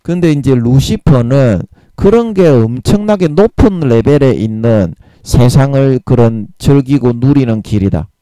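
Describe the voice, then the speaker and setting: A man preaching a Bible sermon in a blunt, emphatic way, using coarse everyday words and drawing out key phrases slowly. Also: medium pitch, animated, warm tone, no room sound. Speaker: evangelist preaching.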